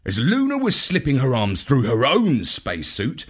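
A man reading a children's story in an expressive, deliberate, theatrical narrating style. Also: medium pitch, breathy edge. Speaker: story reader.

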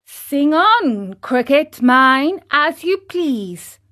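A woman reading a storybook aloud, voicing a naughty, hot-tempered boy marionette who talks loudly and defiantly. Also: high voice, big pitch swings, very slow, pitched above the performer's own voice, exaggerated voice. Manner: loud, defiant and impatient.

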